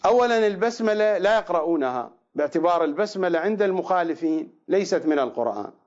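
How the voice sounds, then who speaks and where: A man lecturing on readings of scripture, drawing out each recited word slowly and then rushing through his asides. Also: high-pitched, lively intonation, darkish tone, dull audio. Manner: slow deliberate recitation of words, then quick asides. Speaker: religious lecturer.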